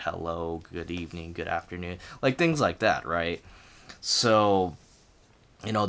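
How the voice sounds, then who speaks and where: A man talking casually and reflectively to camera as a language learner, in halting phrases with repeated words. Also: low voice, fairly bright tone. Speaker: language learner sharing progress.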